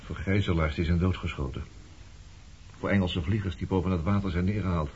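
A man's voice: deep voice, steady tone, brisk, a little mellow, natural voice. An actor playing a brooding former resistance man turned skipper, probing and bitter with an old lover in a radio play. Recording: dull, noisy old radio play recording.

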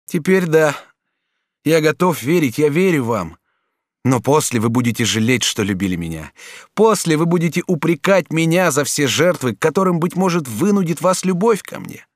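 A tormented young man, as a male audiobook reader plays him, who answers with reproach and doubt. The voice is pitched a little high for a man. The sound is dry and close to the mic. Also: big pitch swings, normal speed, dry recording. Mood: wary. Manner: anguished, reproachful. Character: torn, agitated young man.

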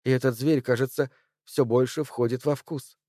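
A man voicing a composed, clever young woman in an audiobook, speaking in a calm, measured way close to his own voice. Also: medium pitch, no echo, natural voice. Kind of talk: audiobook character voice.

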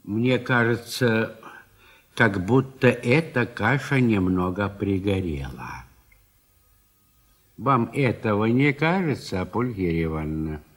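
A gentle old landowner in a radio play, hungry and mildly grumbling. His slow voice swings widely in pitch, with a husky grain and hesitant, drawn-out replies. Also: lively intonation. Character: gentle, food-loving old country landowner husband.

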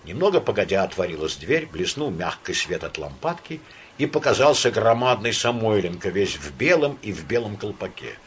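Man, audiobook narrator, low voice, lively intonation, faint background noise. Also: moderate pace. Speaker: audiobook reader. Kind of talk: literary narration.

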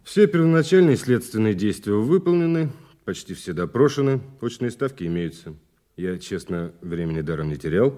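A man's voice: fairly low pitch, big pitch swings, moderate pace, mellow. A man playing an urbane, playful new prosecutor in an audio drama, speaking in an ironic, conversational way. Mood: confiding, persuasive. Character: urbane, playful male investigator, newly promoted to prosecutor. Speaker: actor in an audio play. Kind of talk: naturalistic audio drama dialogue.

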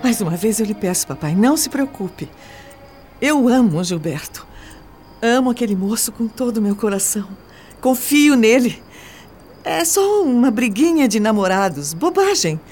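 An actress playing an anxious, tearful young daughter in a radio soap opera, speaking in an earnest, restrained, pleading way. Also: female voice, a little high, big pitch swings, moderate pace, a little mellow, soft background music. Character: anxious, tearful young woman, respectful devoted daughter in love.

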